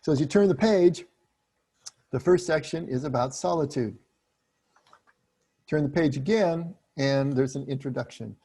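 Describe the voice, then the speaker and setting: A man leading a group book study, explaining passages in a relaxed, chatty way with frequent restarts. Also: a little high, unhurried, long pauses, husky.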